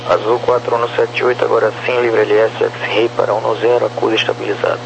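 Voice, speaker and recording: A man's voice: on the low side, level tone, quick pace, vocal fry. A Brazilian man giving procedural air traffic instructions over aviation radio. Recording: muffled noisy radio with hum.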